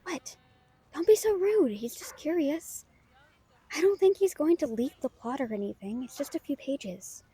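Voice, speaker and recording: A woman's voice: high-pitched, expressive, normal speed, warm tone, no room sound. A woman playing a casual, friendly female novelist in an audio drama, with an informal, slightly hesitant way of talking. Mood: casual, amused. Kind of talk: naturalistic audio roleplay acting.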